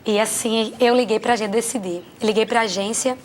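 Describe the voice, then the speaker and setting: A woman's voice: on the high side, fairly even intonation, fairly quick, a little hiss or hum. A young Brazilian woman, a guest on a talk show, giving an emotional, earnest personal testimony. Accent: Brazilian Portuguese. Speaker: guest, journalist and former model.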